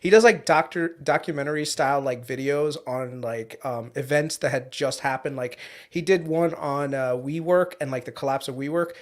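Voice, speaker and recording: A man chatting excitably on a podcast, slangy and enthusiastic. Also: medium pitch, moderate pace, few pauses. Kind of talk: casual podcast chat.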